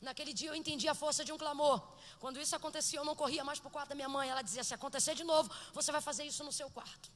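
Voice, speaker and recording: Brazilian woman preacher, high and bright, fervent emphatic sermon delivery, long church reverb. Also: fairly even intonation, racing. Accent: Brazilian Portuguese. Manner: fervent, building to loud emphatic peaks.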